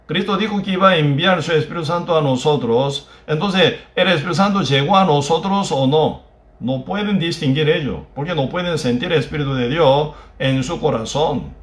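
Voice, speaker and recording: A man with a Korean accent preaches a sermon in a higher-than-usual voice. His phrases come out halting and broken, and he keeps tagging them with questions to the congregation. The recording carries the echo of a church hall. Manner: peppers phrases with tag questions. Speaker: pastor.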